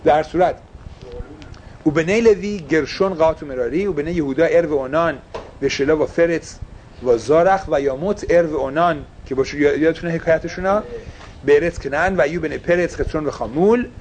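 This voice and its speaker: A man's voice: a little high, darkish tone, a little hiss or hum. A man teaching a casual religious class, asking his listeners questions and slipping English phrases into his talk.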